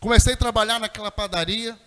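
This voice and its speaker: A middle-aged man preaches a fervent testimony in a very high, bright voice. He speaks straight to the congregation, and his words ring through a long, echoey church hall. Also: steady tone, fast talker, clean tone. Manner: fervent storytelling, addresses the congregation directly. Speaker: missionary preacher. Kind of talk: sermon testimony.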